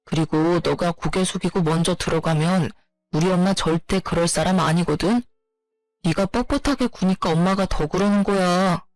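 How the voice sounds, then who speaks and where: Brief: an offhand, dismissive husband, as a woman puts him on with a lowered voice, faint music underneath. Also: moderate pace, darkish tone, dry recording, close to an everyday voice. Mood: lecturing. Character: selfish, dismissive young husband. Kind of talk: storytelling narration.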